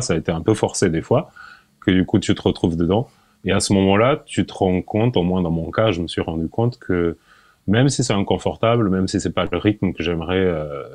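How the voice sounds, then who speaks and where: A man in his forties, a podcast guest, talking in a relaxed, hesitant way, often repeating words and laughing. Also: deep voice, slightly rough, no room sound. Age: 40s. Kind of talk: casual interview.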